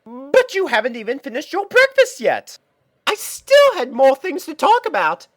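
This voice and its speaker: A woman's voice: sits high, wildly swooping pitch, normal speed, pitched above the performer's own voice. A woman voicing a refined, fussy young lady pony who talks in a theatrical, prim and genteel way. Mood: coaxing.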